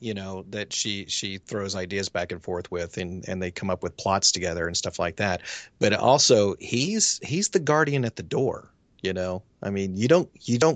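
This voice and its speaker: A man with an unremarkable speaking voice talks at a moderate pace in an American accent, his fairly low pitch moving with ordinary variation. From Texas. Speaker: voice actor and comic colourist. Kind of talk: casual interview.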